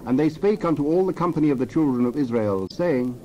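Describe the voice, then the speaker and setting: A man's voice: fairly high pitch, lively intonation, fast talker, warm tone, highs cut off, a little hiss or hum. A man narrating a dramatized scripture reading.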